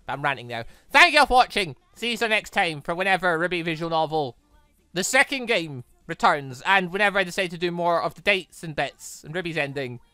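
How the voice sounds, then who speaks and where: A man's voice: fairly high pitch, lively intonation, a little fast, pushed and bright, smooth, no room sound, faint music behind. A man hosting a gaming channel, wrapping up a let's-play in casual, rambling, enthusiastic talk full of fillers.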